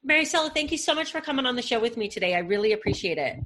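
A woman's voice: on the high side, expressive, very fast, a bit bright, soft background music. A woman hosting a podcast interview, upbeat and encouraging with her guest. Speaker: podcast host.

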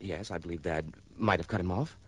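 A man's voice: low-pitched, brisk, a bit bright, breathy edge. A jittery, stammering man in his thirties. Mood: nervous. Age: 30s. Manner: stammering, jittery, repeating words. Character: nervous, twitchy man in his mid-thirties. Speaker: client's brother. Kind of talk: 1960s radio drama acting.

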